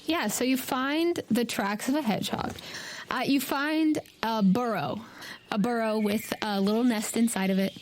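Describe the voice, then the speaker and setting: A woman's voice: fairly high pitch, moderate pace, a little hiss or hum. A woman running a tabletop roleplaying game, narrating scenes off the cuff as game master.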